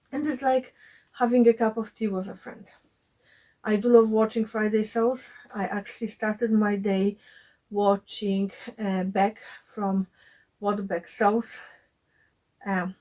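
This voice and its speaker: A woman's voice: medium pitch, a little mellow, low-quality recording. A woman vlogging about sewing from her cottage home, chatty with frequent fillers, her voice a bit chesty while recovering from illness. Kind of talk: casual sewing vlog.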